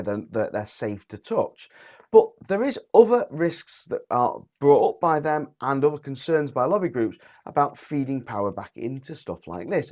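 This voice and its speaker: A man, hosting a chatty explainer vlog and speaking straight to his viewers, his voice croaky and hoarse. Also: medium pitch, a little mellow. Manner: chatty, addresses viewers directly. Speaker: channel host.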